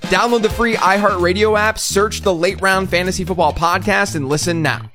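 A man's voice: sits high, moderate pace, over music. A man hosting a fantasy football podcast, reading its promo with energy and confidence. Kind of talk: scripted promo read.

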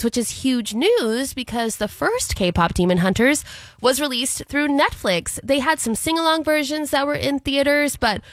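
Female radio host, a touch high, dry studio sound, voice worn from a cold. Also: no room sound. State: recovering from a cold. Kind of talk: radio talk.

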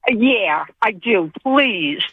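A woman calling in to a radio show, with a New York accent tinged with Southern, protesting in a slow, laid-back way. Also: mid-range voice, lively intonation, breathy edge, no echo. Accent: New York with some Southern. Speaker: caller. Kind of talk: phone call to radio show. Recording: tinny phone line.

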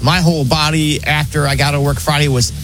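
A man's voice: a little high, steady tone, fairly quick, over music. A man who is a regular on a radio show, chatting casually and rambling through stories with many fillers. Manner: rambling, filler-heavy storytelling. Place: radio studio.

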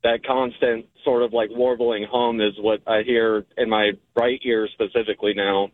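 A man calling into a radio show, calmly explaining with fillers. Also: fairly low pitch, moderate pace, no room sound. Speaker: caller. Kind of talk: phone call-in. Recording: tinny phone line.

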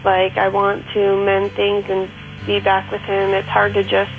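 A woman's voice: mid-range voice, monotone, unhurried, soft background music. A woman in her late twenties calling a radio show, hesitant and lovesick. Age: 20s. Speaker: caller. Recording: muffled phone line.

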